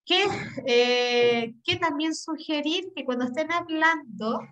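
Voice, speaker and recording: A woman's voice: high-pitched, slow, a bit bright, muffled recording. A woman with a Chilean accent teaching a class over a video call, explaining at length and often checking that her students follow. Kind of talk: online class lecture. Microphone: laptop mic on a video call.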